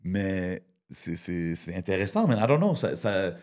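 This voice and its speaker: A man with a Quebec accent chats as a podcast interviewer. His voice sits low, and he hops informally between French and English slang. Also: sing-song, unhurried, a little mellow. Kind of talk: casual podcast chat.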